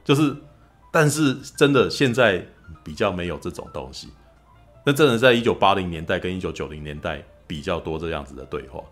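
A man's voice: deep voice, fairly quick, faint music behind. A man with a Taiwanese Mandarin accent, a podcast host in casual film chat who tells stories with energy and acts out the lines he quotes. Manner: animated storyteller, acts out quoted lines, frequent "你知道吗" asides.

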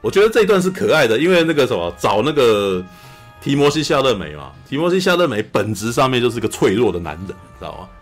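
Husky man, animated film chat. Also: mid-range voice, fast, faint music behind. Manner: animated, acts out scenes, says "you know" a lot. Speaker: podcast co-host. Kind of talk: casual film review chat.

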